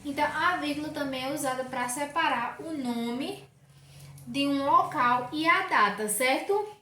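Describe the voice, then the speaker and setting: High-voiced Brazilian teacher in an echoey room. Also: female voice, a little slow, slight background noise. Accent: Brazilian Portuguese. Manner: warm teacher talk, checks in with "certo?" often. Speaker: primary school teacher. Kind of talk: remote lesson to children. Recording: roomy echo, distant from mic.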